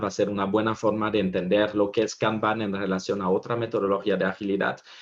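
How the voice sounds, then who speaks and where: This is a man speaking. His pace is moderate. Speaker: consultancy training director and speaker. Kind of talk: webinar presentation. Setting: online webinar. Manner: halting, many filler sounds.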